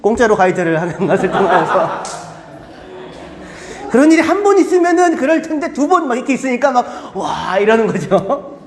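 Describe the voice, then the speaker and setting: A man preaching a sermon as a pastor, animated and acting out voices with shouts. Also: extremely high pitch, a little fast. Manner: animated, acts out crowds and disciples with shouts. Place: church. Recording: echoey church hall.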